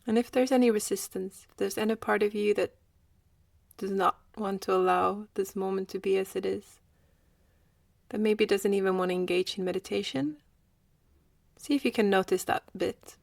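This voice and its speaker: A woman guides a meditation, speaking gently and leaving long pauses between short phrases. Her voice has a noticeable creak at a middle pitch. The sound is very dry, with no room around it. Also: fairly even intonation, dry recording.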